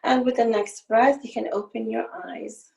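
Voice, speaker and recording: A woman podcast host who leads a calm guided meditation and then asks interview questions. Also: fairly high pitch, gravelly. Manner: soothing, slow guided breathing.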